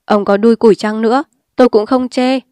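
A woman's voice: on the high side, steady tone, fairly quick, smooth, dry recording, natural voice. A woman voicing a defiant, streetwise young woman who speaks bluntly and scornfully. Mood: brazen. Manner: blunt, scornful and sharp-tongued.

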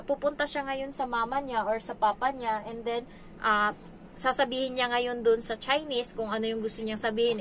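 A woman's voice: fairly high pitch, a bit bright, slight background noise. A woman from the Philippines who works as a domestic helper, telling stories in a chatty vlog and acting out what people said. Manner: chatty, acts out quoted dialogue. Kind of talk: casual storytelling vlog.

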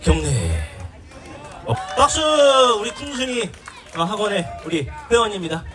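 High-voiced man hyping a festival crowd. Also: huge pitch swings, measured pace. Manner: loud playful banter, teases the audience, runs quizzes. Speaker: pumba performer and emcee. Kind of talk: live stage singing and crowd banter. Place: outdoor festival stage. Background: live music and crowd.

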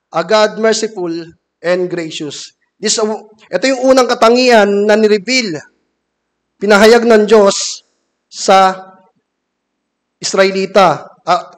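Higher-voiced Filipino man preaching. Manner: measured, reads scripture from a laptop. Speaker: deacon preaching. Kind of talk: sermon mixing Filipino and English. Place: church hall with curtains, behind a wooden pulpit.

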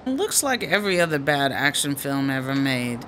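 A woman's voice: rumbling low, very animated, moderate pace, fairly bright tone, slight background noise, heavily acted. A woman playing a headstrong, aggrieved female musician in a radio drama, speaking in a blunt, slangy, dismissive way. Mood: impatient. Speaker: actor in a serialized radio drama. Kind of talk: naturalistic radio drama acting.

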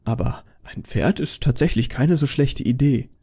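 A man's voice: medium pitch, normal speed, gravelly, dark tone, husky. A man voicing a friendly, naive, portly old man who plays Santa, with a jovial manner, in an audio horror story. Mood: amused. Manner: jovial, kindly.

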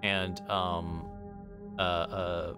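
A man livestreaming a visual novel, moving between quiet reading aloud and halting, casual chat. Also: deep voice, flat delivery, music in the background. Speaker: livestreamer playing games.

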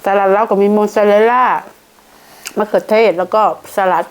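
A woman's voice: medium pitch, fairly even intonation, clean tone. A woman with a northeastern Thai Isan accent chatting casually as an eating vlog host, with savoring hums between her phrases. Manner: chatty, punctuates talk with savoring hums and drawn-out polite particles. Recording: noisy recording with dish clatter.

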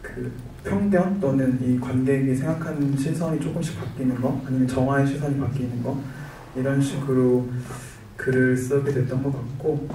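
A young man from Jeju, a film director, answering press questions in a measured, explanatory way with frequent hesitations. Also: mid-range voice, mellow, slight background noise. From Jeju, Korea. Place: large event hall stage, seated. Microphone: handheld mic. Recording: echoey hall, distant mic.

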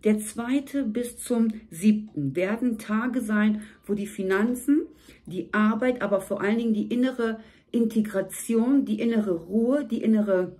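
A woman with a slightly hoarse voice gives a monthly tarot reading at a table indoors. She speaks to the viewer in a warm, reassuring way. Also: fairly high pitch, measured pace. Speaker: tarot reader.

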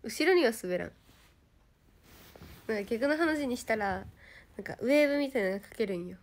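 A young woman with a Kansai accent, chatting casually with viewers on a livestream, giggly and quick to act out past exclamations. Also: on the high side, expressive. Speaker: idol streamer.

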